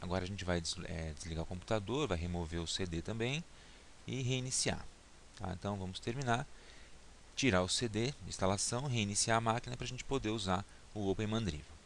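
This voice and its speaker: Man narrating a software tutorial. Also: on the low side, a little fast. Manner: relaxed, frequent "tá?" checks, narrating each click. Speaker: instructor. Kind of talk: screen-recorded software tutorial. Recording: faint hiss and mouse clicks.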